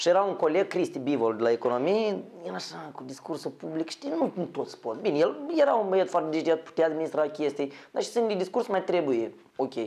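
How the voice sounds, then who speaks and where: Over noticeable background noise, a man with a fairly high pitch talks at a fairly quick pace in an animated tone with lively intonation. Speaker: podcast host. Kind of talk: casual chat. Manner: loud.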